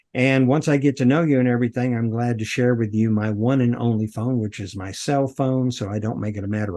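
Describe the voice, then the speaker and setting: This man's voice has a dark, mellow tone at a medium pitch. He talks at a fairly quick pace with ordinary pitch variation. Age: 70s. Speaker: communications coach and club leader. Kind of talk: video call interview.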